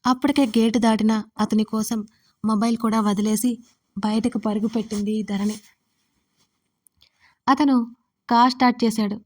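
A woman narrates a scripted audio story in a steady, even reading. Her voice sits somewhat high and barely moves in pitch. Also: moderate pace, long pauses. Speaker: storyteller and writer.

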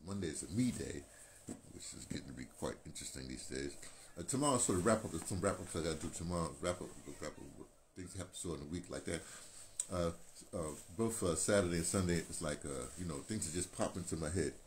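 An American man in his sixties rambling casually to his phone camera, halting and digressive, repeating phrases as he goes. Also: rumbling low. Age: 60s. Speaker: video blogger, radio veteran. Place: small painted room indoors. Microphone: phone at arm's length. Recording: clear ambient background noise.

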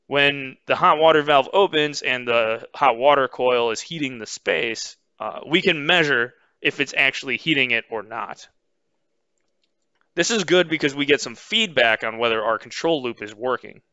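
Over slides in a recorded webinar, a man teaches at a steady, explanatory pace, frequently filling pauses with "um." His voice sits mid-range and sounds bright and smooth. The close, dry recording has no room sound and is slightly muffled.

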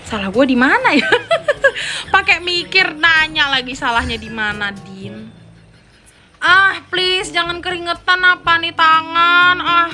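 A young woman giving excitable casual commentary while playing a mobile game at home, swearing and talking to herself and her viewers. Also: very high voice, a little slow, faint music behind.

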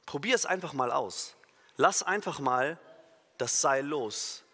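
A man's voice: fairly high pitch, lively intonation, slow pace, pushed and bright. Man preaching in an echoing church. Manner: emphatic, acts out imagined inner voices, self-corrects. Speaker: pastor. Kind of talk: sermon. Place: church hall. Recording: long reverb of a church hall.

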